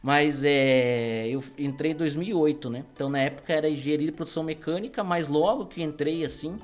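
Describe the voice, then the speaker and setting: A man's voice: a little high, a little fast. Laid-back man in his thirties. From Brazil, grew up in Paraná. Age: 30s. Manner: relaxed storyteller, laughs easily, restarts with fillers. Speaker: guest, engineering professor. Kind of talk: casual podcast interview.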